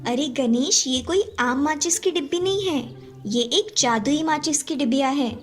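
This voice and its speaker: A woman's voice: high-pitched, measured pace, faint music behind. A woman voicing a kind, confident schoolgirl in a cartoon story, speaking encouragingly. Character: kind, confident girl who reassures her friend.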